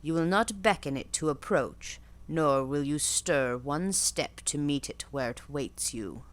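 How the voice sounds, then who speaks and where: A woman voicing a harsh old female gypsy fortune-teller who speaks slowly and deliberately in a low, decided voice. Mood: oracular. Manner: slow, low, emphatic pronouncements.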